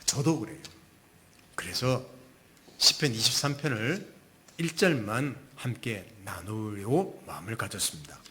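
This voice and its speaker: Lively-voiced male pastor preaching. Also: medium pitch. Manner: relaxed, conversational preaching with asides. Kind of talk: Sunday sermon.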